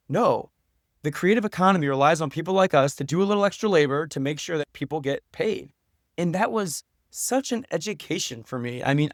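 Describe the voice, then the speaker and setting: Male podcast guest, slightly higher-pitched, dry close sound, informal and sincere, conversational answers full of "you know". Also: dry recording. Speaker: podcast guest, professor and documentary maker. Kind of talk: casual conversational interview answers.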